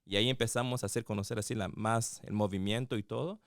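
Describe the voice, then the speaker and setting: A man with a fairly low, smooth voice, recorded dry. He chats informally as a co-host, mostly in Spanish with bits of English dropped in. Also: steady tone, fast, dry recording. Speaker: podcast co-host. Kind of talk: casual interview chat.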